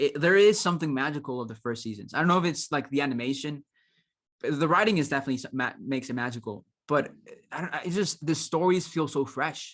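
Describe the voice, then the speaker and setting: Against a quiet background, a man talks at a very fast pace. His pitch is fairly high, with ordinary variation. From northern Mexico. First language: Spanish. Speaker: YouTuber podcast host. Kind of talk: casual chat. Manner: halting, many restarts.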